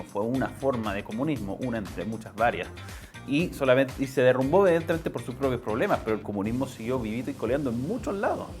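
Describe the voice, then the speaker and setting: Male Chilean political commentator, interview guest, medium pitch, explanatory and halting delivery, repeats for emphasis. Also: darkish tone.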